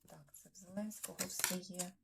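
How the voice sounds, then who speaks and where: A Ukrainian woman with a lowish voice reads tarot cards against the day's news, musing aloud and checking in with her audience. The recording carries steady background noise. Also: moderate pace, gravelly. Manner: musing, talks to cards and viewers, trails off. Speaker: tarot reader. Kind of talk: tarot reading on current news. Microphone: clip-on or desk microphone.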